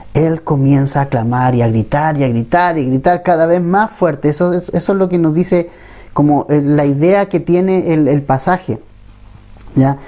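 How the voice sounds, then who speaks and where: A man's voice: a little high, warm tone. A man with a Chilean accent preaching a Bible-teaching sermon as pastor, talking conversationally and often asking the congregation questions. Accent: Chilean Spanish.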